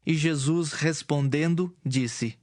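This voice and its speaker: Higher-pitched male Bible narrator. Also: takes it slowly, darkish tone, no echo, studio quality. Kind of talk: scripted dramatic Bible narration.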